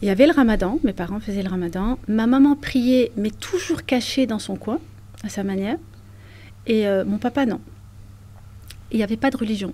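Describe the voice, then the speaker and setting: A woman speaks at a moderate pace in a fairly high voice with ordinary pitch variation. Her tone is dark and mellow, somewhat breathy. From France, Montargis (Loiret). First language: Berber (Kabyle) (speaking French). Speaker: parenting coach. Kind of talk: testimony.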